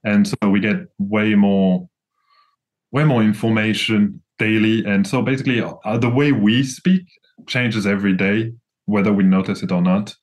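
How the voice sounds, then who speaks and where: A man's voice: on the low side, steady tone, normal speed. A young man from France with a French accent, a guest chatting casually, rambling with many restarts and fillers. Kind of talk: casual conversation.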